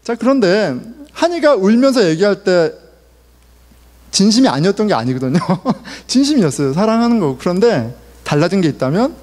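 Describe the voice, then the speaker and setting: In a church sanctuary, a male pastor in his forties delivers a conversational sermon, posing questions to the congregation and sharing family stories. His voice sits high, sing-song and a little mellow, at a moderate pace, with a long reverb tail.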